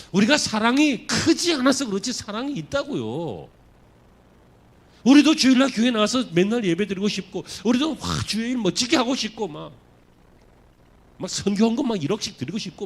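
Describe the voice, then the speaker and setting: Animated male pastor preaching. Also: sits high, slightly rough. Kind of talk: sermon. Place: church sanctuary.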